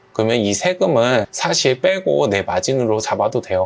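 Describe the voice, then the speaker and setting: Against noticeable background noise, a man of medium pitch talks at a moderate pace with very wide pitch swings. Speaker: online seller coach. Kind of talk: live online lecture.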